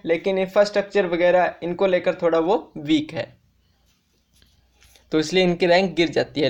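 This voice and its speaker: A man presenting an informal explainer for students, speaking straight to viewers as friends and restating each fact more than once. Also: high-pitched. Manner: repetitive, restates facts, addresses viewers as friends. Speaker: education YouTuber.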